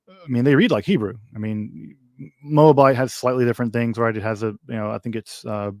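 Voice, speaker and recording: A man's voice: on the low side, darkish tone, no room sound, studio quality. A man hosting a casual livestream Q&A, answering viewer questions in a rambling way with many ums, restarts and wry asides.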